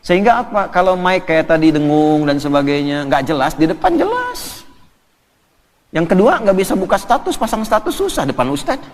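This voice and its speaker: Male preacher, higher voice, animated and humorous sermon delivery, long hall reverb. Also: moderate pace. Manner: animated and joking, lively storytelling with laughs. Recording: distant reverberant hall, faint ambience.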